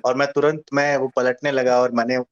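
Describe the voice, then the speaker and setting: A man's voice: mid-range voice, level tone, fairly quick, clean tone. Polite male host, muffled sound. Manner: polite, thanking, leading questions. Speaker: program host. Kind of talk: interview talk.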